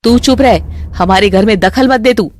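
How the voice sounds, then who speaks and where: A woman's voice: medium pitch, normal speed, lightly acted. A woman voicing a harsh middle-aged mother-in-law who scolds curtly. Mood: scolding. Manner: curt and scolding.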